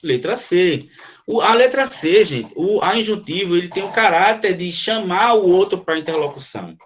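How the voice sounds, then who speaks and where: A male teacher lecturing to students, often pausing to ask if they follow and explaining with quick examples. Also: high voice, lively intonation, fairly bright tone, slight background noise. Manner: frequent checking questions to students. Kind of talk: classroom lecture.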